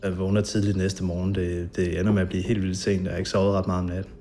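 A man being interviewed, recounting a memory in a halting way with many fillers and vivid detail. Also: low voice, little pitch movement, mellow, a little hiss or hum.

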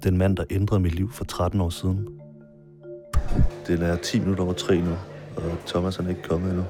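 Male documentary narrator, very low voice, monotone delivery, quiet measured telling, marimba music underneath. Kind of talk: personal scripted narration.

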